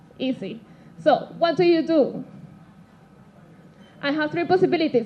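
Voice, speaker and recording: A woman with a high-pitched voice speaks at a moderate pace, her pitch swinging very widely over noticeable background noise. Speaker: English teacher. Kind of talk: teacher training seminar.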